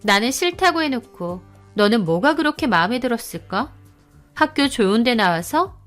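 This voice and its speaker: A woman voicing a shameless young woman who pushes the narrator calmly and boldly. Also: on the high side, moderate pace, faint music behind. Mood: brazen. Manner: cool, shameless, pushy.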